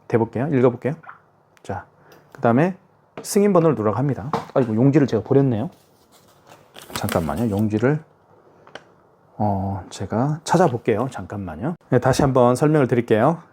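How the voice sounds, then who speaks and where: Casual male demonstrator, mid-pitched, talks through each step, faint hiss and clicks behind. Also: expressive, brisk, long pauses, dark tone. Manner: chatty, self-narrating each step, frequent "자" and "그죠?". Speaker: product demonstrator. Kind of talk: casual product tutorial.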